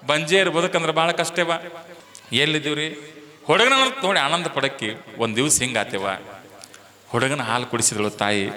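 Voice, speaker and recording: A man telling a devotional story as a sermon, dramatic and rising into high, loud, emotional pleas. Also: big-room sound. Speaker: preacher. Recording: music playing behind the voice.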